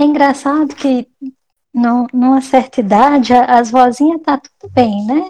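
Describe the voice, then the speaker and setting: At a fairly slow pace, a woman's high, dark and mellow voice shows ordinary pitch variation and big swings in loudness. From Belo Horizonte, Brazil. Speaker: podcast co-host. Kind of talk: casual chat.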